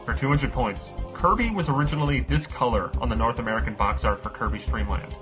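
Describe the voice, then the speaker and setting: A man's voice: mid-range voice, quick pace, highs cut off, music in the background. A man hosting a casual podcast quiz, reading out questions and answer choices and laughing often.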